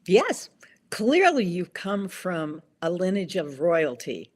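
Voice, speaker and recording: A woman with a fairly low, very expressive voice speaks slowly. She phrases things deliberately and affirmingly, as a spiritual coach guiding a conversation. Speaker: spiritual healing guide, podcast guest.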